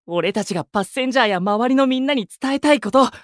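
A male actor playing an exuberant, warm-hearted young idol who teases his friends in rough, boyish speech in a Japanese voice drama. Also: extremely high pitch, lively intonation, quick pace, no room sound, clean studio sound. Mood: excited. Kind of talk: Japanese anime-style voice drama acting.

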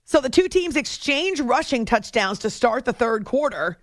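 A woman hosting a sports radio show in a chatty, animated monologue from a studio. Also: fairly high pitch, normal speed, a little hiss or hum. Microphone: close studio microphone.

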